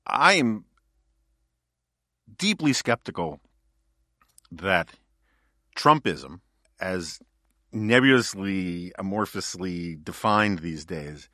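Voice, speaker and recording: A man's voice: deep voice, lively intonation, slow pace, pauses often, bright, forceful tone, no room sound, clean studio sound. A male podcast host in casual political chat, talking in a wry, joking, digressive way.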